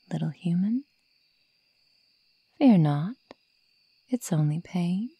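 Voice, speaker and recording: A woman playing a sadistic female werewolf toying with human prey in a breathy, menacing, mockingly sweet ASMR roleplay whisper. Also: low-pitched, dark tone, dry recording, heavily acted. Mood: cruel, taunting.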